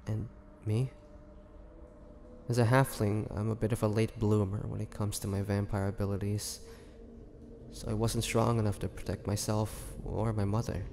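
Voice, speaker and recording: A man playing a weary, bitter young half-vampire prisoner in a dramatic audio roleplay, speaking haltingly and sorrowfully. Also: lowish voice, little pitch movement, vocal fry, warm tone. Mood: somber, grieving. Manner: slow, halting, sorrowful delivery with sighs and pauses. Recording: long hall reverb, faint noise.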